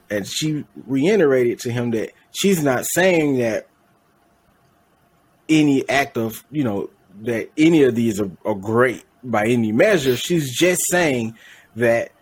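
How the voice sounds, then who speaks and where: A man's voice: mid-range voice, breathy edge. A man co-hosting a podcast in casual chat, rambling and correcting his own slips with a laugh. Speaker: podcast co-host.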